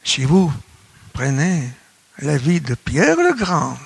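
High-voiced Russian man lecturing haltingly in French. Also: wildly swooping pitch, creaky, husky. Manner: halting, searching for words in non-native French. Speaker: academic speaker at a colloquium. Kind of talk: conference lecture.

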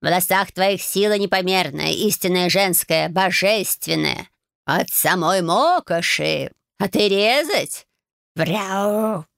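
A woman playing a grumpy old-world magic tomcat in a storybook, slow and drawn out, with a slightly altered, throaty tone. He lectures and scolds like a mentor, tossing in purrs and meows, and his voice sits a touch lower and has a gravelly edge. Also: lively intonation, fairly bright tone, no echo, clean studio sound, heavily acted. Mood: scolding. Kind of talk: audiobook character voice.

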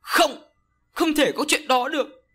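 A man's voice: a little high, very animated, a little fast, a bit bright, faint music behind. A man voicing a guilt-ridden, frightened man who pleads and panics in an audio story. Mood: desperate. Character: guilty, terrified middle-aged man.

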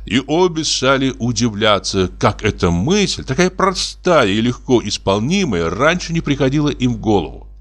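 Expressive male storybook narrator. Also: mid-range voice, moderate pace, few pauses. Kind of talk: literary audiobook narration.

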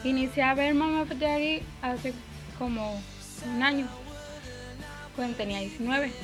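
A woman's voice: high-pitched, fairly even intonation, unhurried, over music. A young woman from Mexico in her twenties giving a short, plain recorded testimony. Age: 20s.

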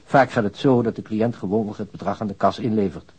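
An actor playing a precise, helpful bank official in a radio drama, explaining things in a formal manner. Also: male voice, fairly low pitch, brisk, a little mellow, breathy edge. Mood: precise, businesslike.

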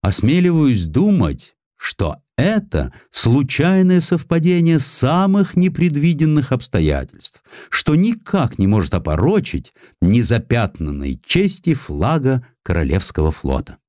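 A man's voice: medium pitch, huge pitch swings, a little slow, a little mellow, no room sound, clean studio sound, voice pushed up. A man voicing a stiff, dignified British ambassador in a historical audiobook, formally polite and defensive. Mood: stiffly defensive. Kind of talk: dramatized audiobook.

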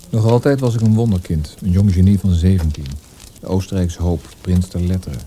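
Deep, very dark-voiced reflective poet. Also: male voice, a little hiss or hum. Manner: reflective, literary, measured. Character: world-weary male poet recalling his prodigy youth. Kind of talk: radio drama monologue.

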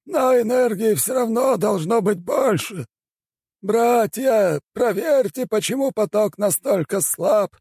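Old shaman elder: high, gravelly, husky, dismissive, drawls his words. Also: lively intonation, darkish tone, no echo, studio quality, exaggerated voice. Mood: musing. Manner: drawn-out, strained high voice. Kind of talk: audiobook character voice.

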